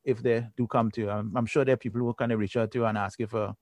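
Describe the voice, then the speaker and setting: A man's voice: mid-range voice, level tone, very fast, darkish tone, no room sound. A man hosts a podcast in a dry, close recording. His voice sits in a middle range, and he talks in a casual, encouraging way. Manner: encouraging, frequent affirmations. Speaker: podcast host. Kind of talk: casual interview chat.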